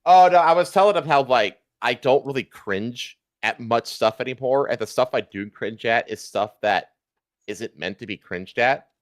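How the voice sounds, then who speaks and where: A man's voice: medium pitch, normal speed, no echo, clean studio sound. A man hosting a livestream, ranting casually with emphatic, repetitive, profane talk. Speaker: livestream host.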